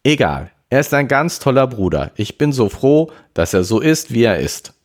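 A man voicing a cheerful, excited teenage girl with a bubbly, eager way of talking, in an audiobook reading. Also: mid-range voice, normal speed, pitched above the performer's own voice.

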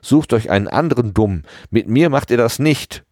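A man reading aloud and voicing an angry, defensive young man in a raised, sharp tone. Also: medium pitch, animated, normal speed, dry recording, clean studio sound, voice pushed up, lightly acted.

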